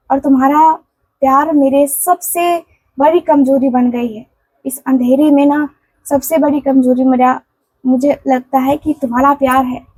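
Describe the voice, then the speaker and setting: A woman with a high voice speaks as a tarot reader, relaying a love message in the first person. She talks in an earnest, pleading way, circling back over the same phrases with casual fillers. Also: a little mellow, low-quality recording. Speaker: tarot and candle wax reader.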